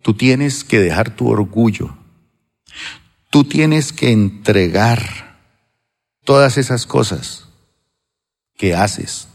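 A man preaching a sermon as pastor, retelling a story with quoted dialogue, rising emphatic and slowing to a hushed drawl. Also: lowish voice, animated, vocal fry, long reverb tail. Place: church sanctuary.

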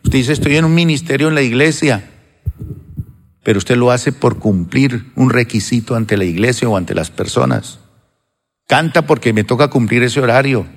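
A man preaching a sermon as pastor, retelling a story with quoted dialogue, rising emphatic and slowing to a hushed drawl. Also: mid-range voice, long reverb tail. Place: church sanctuary.

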